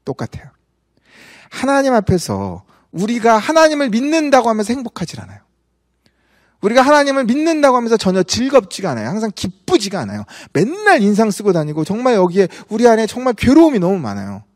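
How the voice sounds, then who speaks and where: A man is preaching in a church, and his voice rings out with a long reverb through the sanctuary. He sits high for a man and swings his pitch widely. He keeps things conversational and throws questions to the congregation. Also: wildly swooping pitch, fast talker. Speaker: pastor. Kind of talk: sermon.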